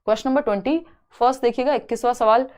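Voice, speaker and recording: Woman, young adult, teacher, exam-prep lecture, slightly high voice, rhetorical questions. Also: racing. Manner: explains step by step, mixing Hindi with read-out English; asks rhetorical questions and answers them.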